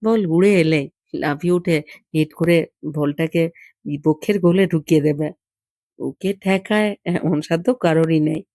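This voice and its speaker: A narrator reading a literary short story in an intimate, gentle fireside storytelling manner. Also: medium pitch, normal speed, pauses often, no room sound, studio quality. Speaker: audiobook story reader.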